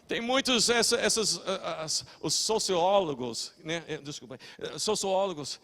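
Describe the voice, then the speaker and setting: High-voiced older preacher shouting his points. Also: expressive, a little slow, in a large hall. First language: English. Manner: fiery preaching with shouted peaks, chatty storytelling and self-corrections. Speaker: pastor. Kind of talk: sermon.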